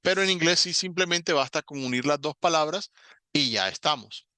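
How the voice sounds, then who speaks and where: A man teaching an online English class, patiently explaining step by step and saying English words slowly as examples. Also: fairly high pitch, sharp tone, no room sound.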